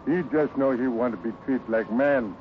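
An actor playing a loyal, gentle ranch hand who speaks earnest broken English with a foreign accent in a 1950s radio western. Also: male voice, mid-range voice, normal speed, close to an everyday voice. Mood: concerned. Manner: broken pidgin grammar, earnest and soothing. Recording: muffled, noisy old radio recording.

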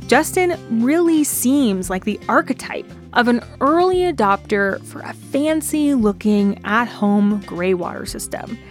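A woman reporter narrating a radio news feature in a clear, steady way. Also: on the high side, measured pace, few pauses, soft background music.

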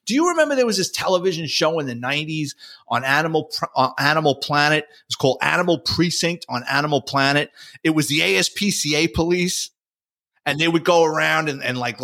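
A man, a former police detective, telling war stories in a casual, profane, animated way. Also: on the high side. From New York. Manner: profane, animated, acts out quotes. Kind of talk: casual storytelling.

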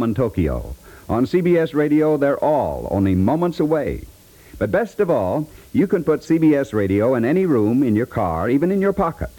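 Mellow, animated 1950s male radio announcer. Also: medium pitch. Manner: polished.

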